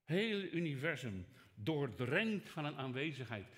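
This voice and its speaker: Male pastor, mid-high voice, emphatic sermon swinging loud to hushed, talks right to the congregation. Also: very animated, unhurried. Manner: emphatic, swinging between raised and hushed delivery; rhetorical, addresses listeners directly.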